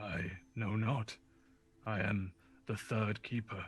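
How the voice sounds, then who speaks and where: A man's put-on character voice, raspy and solemn, fairly low in pitch, at a fairly slow pace. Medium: actual play. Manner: solemn, formal.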